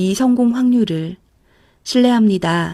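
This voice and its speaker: Very slowly, a woman speaks with a dark, mellow tone, a calm tone and somewhat breathy delivery. Her pitch variation is ordinary, and the recording is very clean with a silent background. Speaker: audiobook narrator. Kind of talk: audiobook narration, non-fiction reading. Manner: soft, calm, ASMR-style reading.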